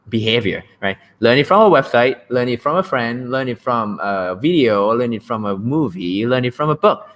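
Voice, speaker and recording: A man's voice: medium pitch, a bit bright. Man, Thai accent, young adult, casual livestream host, blunt, joking. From Thailand. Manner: blunt, joking, keeps asking "right?". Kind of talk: casual livestream talk on language learning.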